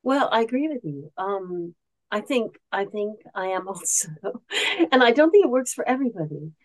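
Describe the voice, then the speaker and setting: A woman's voice: mid-range voice, very animated, moderate pace, poor audio. A middle-aged woman born in South Korea and raised around Asia, a guest author talking in a reflective, earnest way and often searching for her words in a casual conversation.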